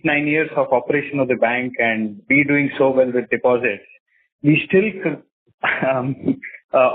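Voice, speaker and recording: A man's voice: mid-range voice, breathy edge. A man with an Indian accent asking questions as a caller on an earnings call, politely and hesitantly. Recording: narrow phone line with faint noise.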